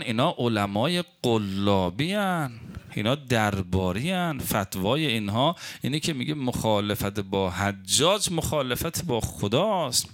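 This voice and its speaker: A man of the clergy preaches a sermon in a mid-pitched voice. His delivery is animated, jumping higher to mock the people he quotes. He sinks low and slow when he chants prayers in Arabic. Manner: animated, mocking quoted opponents with raised pitch. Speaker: cleric preacher. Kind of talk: religious sermon.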